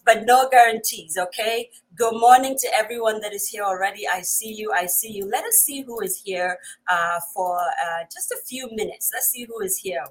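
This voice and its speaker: A woman's voice: medium pitch, normal speed, few pauses, low-quality recording. A woman chats to viewers as host of a live online show, effusive and often repeating her phrases. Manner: effusive, repeats phrases, greets in many languages. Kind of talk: chatty livestream greeting of viewers.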